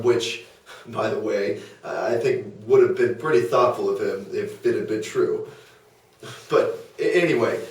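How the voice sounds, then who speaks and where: A man's voice: fairly low pitch, lightly acted. A man at a table read playing a chatty, gossiping ancient Greek admirer of Socrates in a comedic dialogue, rambling and stumbling a little. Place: small meeting room around a table. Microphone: far camera or table recorder. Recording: very echoey meeting room, distant mic.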